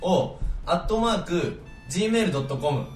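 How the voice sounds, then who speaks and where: A man co-hosting a casual web radio show. He runs the game briskly and laughs often. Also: on the high side, very animated, recorded from a distance, faint music behind. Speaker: co-host. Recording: roomy sound from off mic.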